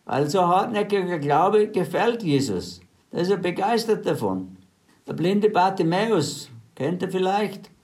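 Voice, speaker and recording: A man's voice: high-pitched, lively intonation, a little slow, a little mellow. A man preaching a sermon, retelling scripture stories in plain everyday words and urging his listeners on in faith.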